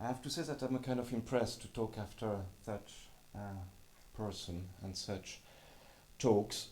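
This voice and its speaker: A man talks with a fairly low pitch and ordinary pitch variation. His pace is fairly slow, with long, frequent pauses and audible room echo. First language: French. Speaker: journalist. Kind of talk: conference talk. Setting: conference hall with audience. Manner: halting.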